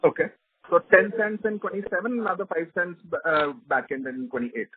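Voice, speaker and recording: A man's voice: high-pitched, lively intonation, brisk, phone-quality sound. A man, an analyst asking hesitant, filler-heavy questions on an earnings call. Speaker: analyst caller. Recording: telephone conference line.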